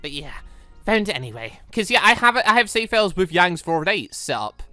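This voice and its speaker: A man's voice: sits high, very animated, fairly quick, pushed and bright, dry recording, soft background music. A man giving casual, rambling let's-play commentary as a gaming video host, often correcting himself mid-thought. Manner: rambling, self-correcting, informal.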